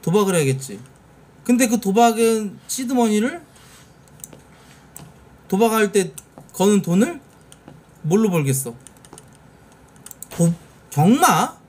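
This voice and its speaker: Excitable man streaming, swinging pitch. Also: slow, pauses often, a little hiss or hum. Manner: swearing, excitable, shouts at wins. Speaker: game streamer. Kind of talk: casual live game streaming. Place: small indoor streaming room. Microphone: desk mic in gaming chair, webcam framing.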